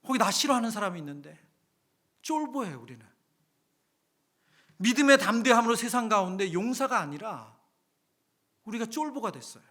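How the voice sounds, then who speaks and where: A man preaching a Friday evening sermon in a church sanctuary, his voice pitched high and ringing bright. He keeps it conversational and acts out everyday scenes. He swings from loud exclamations down to hushed whispers. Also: very animated, moderate pace, long pauses. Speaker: pastor.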